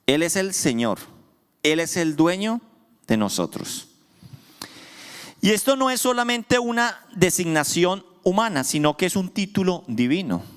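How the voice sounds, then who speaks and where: Male pastor, sermon, lively swooping delivery, call-and-response, echoing church hall. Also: high voice, a little slow, clear, resonant tone. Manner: asks the congregation questions, answers himself emphatically. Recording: long church hall reverb.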